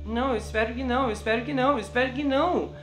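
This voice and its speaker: A woman's voice: on the high side, a bit bright, lightly acted. A woman reading a stammering, cornered male nurse. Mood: distressed. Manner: stammering, halting. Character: anxious evasive male nurse under suspicion. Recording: roomy with background music.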